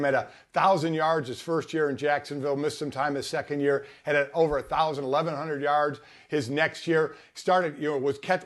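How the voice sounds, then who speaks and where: An American man giving conversational sports commentary as a co-host and analyst on a talk show. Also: a little high.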